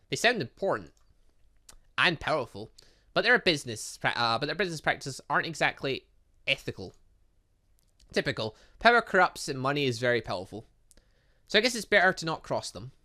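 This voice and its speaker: A man's voice: fairly high pitch, bright, forceful tone. A man doing a let's play, reading visual novel dialogue aloud expressively, often stumbling over words and adding side comments. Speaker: gaming channel host.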